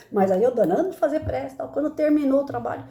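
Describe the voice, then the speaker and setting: A woman's voice: high voice, lively intonation, a little fast, mellow, reverberant. A middle-aged Brazilian woman presenting a Spiritist study, talking conversationally and often adding tag questions. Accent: Brazilian Portuguese. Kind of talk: spoken Spiritist study talk with personal story.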